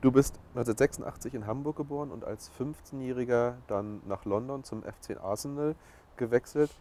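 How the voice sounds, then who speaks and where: A man's voice: medium pitch, fairly quick, warm tone, a little hiss or hum. A man in his thirties asking questions as interviewer in a casual sit-down talk. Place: open-air terrace by a training pitch. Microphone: lapel mic.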